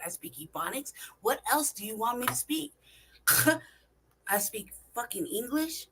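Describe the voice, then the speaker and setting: A woman's voice: mid-range voice, a bit bright, a little hiss or hum, rough recording. A woman from California talking in a casual monologue, swearing often, stressing her points and asking rhetorical questions. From California, United States. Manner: profane, emphatic, rhetorical questions. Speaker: vlogger.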